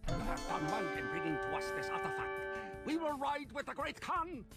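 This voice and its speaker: An actor playing a devout, ceremonious Mongol tribal elder in a game, with a formal, theatrical delivery. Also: male voice, very high-pitched, wildly swooping pitch, moderate pace, exaggerated voice. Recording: music behind the voice.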